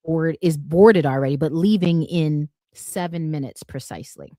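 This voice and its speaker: A middle-aged woman telling a lively story as a guest in a casual podcast chat, with sudden bursts of excitement. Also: sits low, moderate pace, dry recording, studio quality. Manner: animated, vivid retelling with bursts of excitement.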